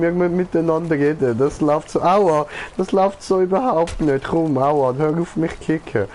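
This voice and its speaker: A man's voice: on the high side, a little mellow, slight background noise. A man streaming a game, chatting casually, joking and often laughing. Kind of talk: casual gaming chat.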